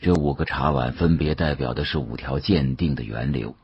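A man narrating an audiobook as a dramatic first-person story, in a husky storyteller's voice. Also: extremely low pitch, moderate pace, highs cut off.

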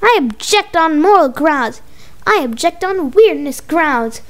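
A woman's voice: high voice, animated, a little slow. A woman voicing a game-obsessed young boy frog in a storybook, slangy and indignant. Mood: whiny, indignant. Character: excitable young boy frogs, game-obsessed, whiny slackers.

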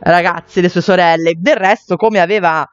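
A woman's voice: lowish voice, fairly even intonation, normal speed, no echo, dull audio, faint music behind. A woman hosting a let's play, giving game commentary in chatty asides to viewers with many fillers.

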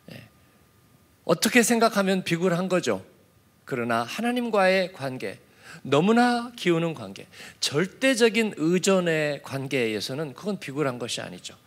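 Animated male pastor preaching. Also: on the high side. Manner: conversational, frequent affirming "예" fillers; swings from soft asides to emphatic preaching. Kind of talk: early-morning sermon. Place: church.

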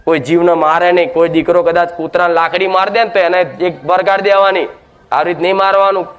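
A man's voice: high voice, fairly even intonation, brisk, clear, resonant tone. A man preaching a devotional sermon at a goddess shrine, scolding his listeners and throwing rhetorical questions at them.

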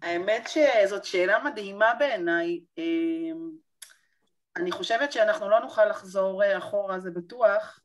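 Woman on a video call, mid pitch, calm and thinking it through. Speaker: participant. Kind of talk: discussion reply.

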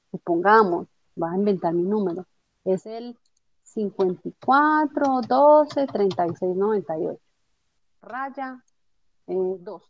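A woman teaching a software tutorial step by step, patiently checking that her student follows along. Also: mid-range voice. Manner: patient, explanatory, checks understanding with tag questions. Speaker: instructor. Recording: dull lo-fi dry audio.

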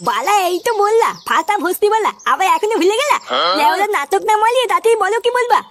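A woman's voice: very high voice, lively intonation, fast, fairly bright tone. A woman voicing a foul-mouthed, indignant and cheeky schoolboy in a comedy cartoon, blunt and defiant.

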